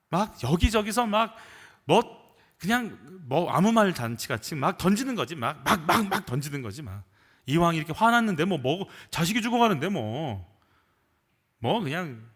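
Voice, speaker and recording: Lively high-voiced male pastor preaching. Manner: conversational preaching, rhetorical questions to the congregation; rising into emphatic bursts when voicing complaints. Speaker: senior pastor. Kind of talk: sermon.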